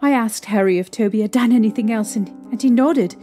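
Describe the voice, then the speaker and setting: A young woman playing a distraught, haunted mother recounting her ordeal emotionally and haltingly in an audio drama. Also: a little high, dark tone, faint music behind, close to an everyday voice. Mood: horrified.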